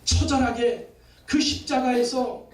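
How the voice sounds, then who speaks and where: A pastor's fairly high voice carries through a reverberant church sanctuary, picked up from a distant microphone. He preaches a Sunday sermon and builds toward emphatic, repeated declarations. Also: steady tone, takes it slowly. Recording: echoey church hall, voice from a distant mic.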